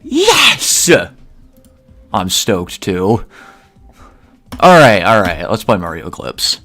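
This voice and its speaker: A man's voice: low voice, a bit bright, soft background music. A young man chatting casually to his stream while gaming, rambling and restarting his sentences. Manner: rambling, halting, with repeated restarts.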